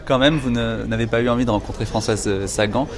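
A man interviewing a guest for a radio documentary, asking measured questions. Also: mid-range voice, over music.

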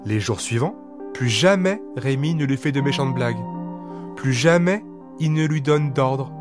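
A man telling a bedtime story in a lively, expressive reading voice. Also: medium pitch, a little slow, music in the background.

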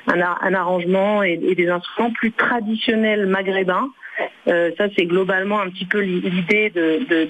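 A woman's voice: fairly low pitch, a little hiss or hum, rough recording. A woman, a singer whose first language is Arabic, answering radio interview questions in a hesitant way, with many fillers and restarts. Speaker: singer and musician guest.

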